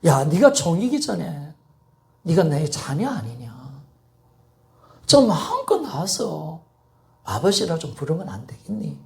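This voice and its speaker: Fatherly God, gently scolding and pleading, put on by a male preacher; gravelly, lively pitch. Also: a little slow, pauses often, heavily acted. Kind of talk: sermon.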